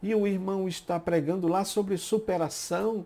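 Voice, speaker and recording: Dark, mellow tone from a woman, captured in a very clean recording against a silent background. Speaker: Bible teacher. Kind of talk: Bible lesson commentary.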